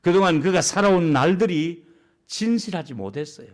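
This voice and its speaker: A man's voice: high-pitched, expressive, moderate pace. A male pastor preaching a sermon in an emphatic, colloquial way, driving points home with repeated punchy endings.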